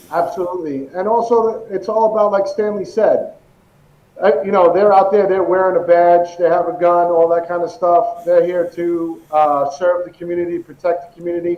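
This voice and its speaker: A man speaks in a high pitch at a moderate pace. His intonation stays fairly even. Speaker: former police officer. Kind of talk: interview.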